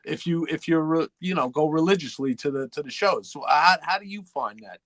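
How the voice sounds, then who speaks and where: A man's voice: a little high, animated, brisk, fairly bright tone, no room sound. A man hosting a casual interview, rambling his way toward each question. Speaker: host, interviewer. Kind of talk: casual chat.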